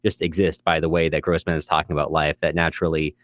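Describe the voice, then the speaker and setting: Deep-voiced, quick-talking man hosting a book podcast. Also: flat delivery, fairly bright tone, dry recording, studio quality. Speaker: podcast host. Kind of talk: conversational literary discussion.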